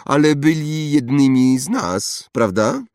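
A man's voice: mid-range voice, animated, takes it slowly, a little mellow, no echo, clean studio sound, pitched above the performer's own voice. A man voicing an arrogant, snobbish young wizard boy who boasts and mocks. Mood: boastful. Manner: boastful, mocking.

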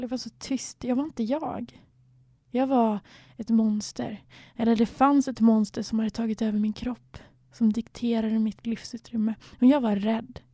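Young woman, personal storytelling, reflective, slightly high, flat delivery. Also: gravelly, dry recording, studio quality. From Sweden. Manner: candid, reflective, at times near a whisper.

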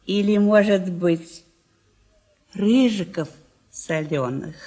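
Caring old country wife. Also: female voice, fairly low pitch, takes it slowly. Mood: caring, coaxing. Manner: solicitous, gently coaxing. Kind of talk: radio play acting.

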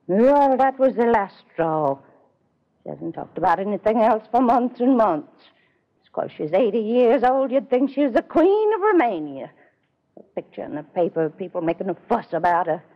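An actress playing a spiteful, self-satisfied spinster of seventy-nine with an elderly, creaky voice in a 1950s radio drama. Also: female voice, a little high, sing-song, moderate pace. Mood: aggrieved. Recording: muffled vintage radio recording.

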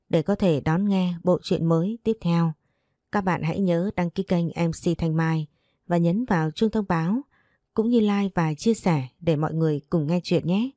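A woman's voice: fairly low pitch, warm tone, no echo, clean studio sound. A woman host giving a courteous, formal introduction to an audiobook episode. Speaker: channel host.

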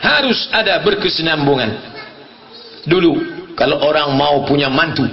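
A man delivers a humorous sermon in a slightly high voice. He tells stories and plays out their dialogue, laughing and now and then shouting a point. The recording sounds dull and lo-fi. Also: moderate pace, some chatter behind. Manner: animated storytelling, acting out dialogue with laughs and shouts. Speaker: preacher.

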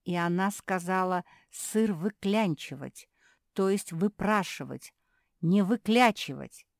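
A prim creature lady from a storybook, correcting words and explaining at length, as a woman reader puts her on. Her voice is low-set, slow and close. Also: vocal fry, no room sound.

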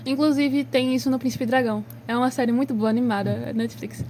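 A Brazilian woman co-hosts a casual podcast, trading teasing quips and explanations. Her voice sits notably high. Faint noise runs underneath. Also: fairly even intonation, fast, a little mellow. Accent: Brazilian Portuguese. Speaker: podcast co-host. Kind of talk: casual chat.

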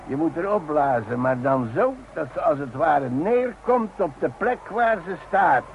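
A man playing an old, cautious veteran demolition climber in a Dutch radio drama, speaking hesitantly and deliberately. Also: on the high side, lively intonation. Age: older. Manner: hesitant, deliberate, muttering to himself. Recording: dull, noisy old radio drama recording.

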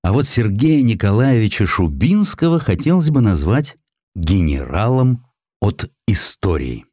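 A man reading a scripted historical sketch as an audiobook narrator, in with an expressive, theatrical storytelling delivery. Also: lowish voice, measured pace, no room sound. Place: studio.

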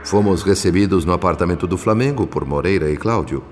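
A Brazilian actor playing a solemn spirit narrator in a radio drama, telling the tale in measured, literary diction. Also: male voice, low voice, close to an everyday voice. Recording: long reverb, music underneath.

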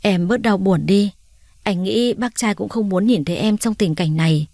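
A gentle young man offers quiet comfort, as a woman narrator puts him on. His words are soft and soothing. The recording is dry and close. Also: medium pitch, moderate pace, no echo, lightly acted.

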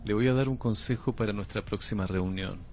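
A man voicing a low, gravelly male patient who insists he travels through time. He speaks slowly and calmly, with a steady, unnerving composure in an audio drama, over a faint hiss. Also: natural voice. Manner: slow, measured, unsettlingly calm. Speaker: patient under interview.

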